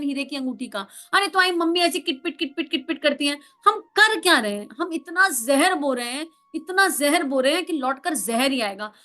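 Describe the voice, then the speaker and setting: A woman's voice: sits high, sharp tone. A woman counsellor giving a spiritual talk, emphatic and full of rhetorical questions, now and then acting out family members.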